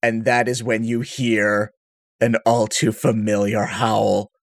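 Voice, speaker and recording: A man's voice: on the low side, little pitch movement, takes it slowly. A man narrating a tabletop role-playing game as game master, in an easygoing way that often breaks into laughter.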